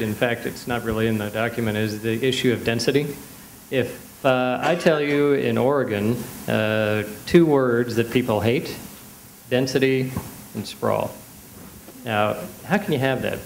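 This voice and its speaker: A man's voice: mid-range voice, vocal fry, slight background noise, rough recording. A man on a discussion panel explaining planning ideas in a lecturing way.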